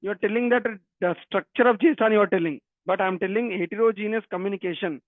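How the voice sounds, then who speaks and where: A man's voice: high-pitched, quick pace, dry recording. A man from Telangana, a native Telugu speaker with a Telugu Indian English accent, teaching programming interactively and repeating his phrases and questions. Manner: repeats phrases and questions, often addressing students. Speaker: programming instructor. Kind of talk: interactive online technical lecture. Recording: narrow phone-like line.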